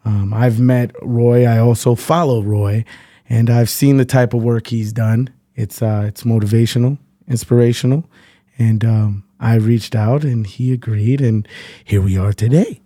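A man's voice: mid-range voice, fairly even intonation, measured pace, mellow, no room sound, clean studio sound. A man hosting an interview in an office, talking in an easygoing, slangy way with lots of hype. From born in the Bronx. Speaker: podcast host. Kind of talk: casual interview chat. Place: high-rise office.

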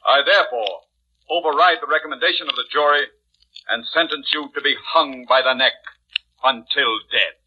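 A man's voice: medium pitch, normal speed, husky, lightly acted. A man playing a stern, unbending judge in 1940s radio drama style. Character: stern, unbending male judge passing sentence. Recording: dull, muddy vintage radio recording.

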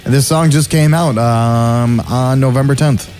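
A man's voice: mid-range voice, unhurried, a little mellow, soft background music. A man hosting a podcast, talking in a casual, rambling way with many fillers. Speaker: podcast host.

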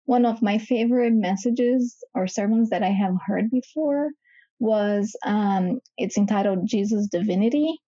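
A woman's voice: medium pitch, a little slow, dark tone, no room sound, muffled recording. A woman from Brazil, sharing her faith testimony with emphatic enthusiasm. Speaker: church member giving a testimony.

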